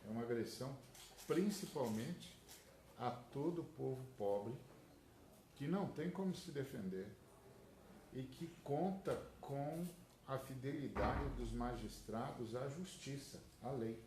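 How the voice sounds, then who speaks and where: Slow deep-voiced pastor in echoey room. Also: male voice, a little mellow. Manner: slow, measured preaching with pauses. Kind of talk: spoken address to a group. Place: indoor room. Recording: echoey room, faint noise.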